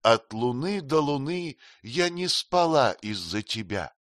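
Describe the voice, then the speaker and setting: A man's voice: mid-range voice, sing-song, slow, fairly bright tone, dry recording, clean studio sound, voice pushed up. A man voicing a scheming young queen who speaks in a pleading, coquettish and intense way.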